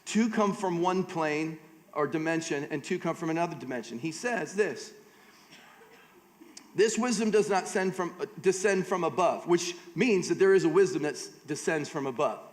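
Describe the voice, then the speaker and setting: Long hall reverb fills this large church auditorium, where a middle-aged American man preaches conversationally at a church conference. He speaks at a normal speed in a fairly high, expressive voice, weaving jokes in among his scripture readings.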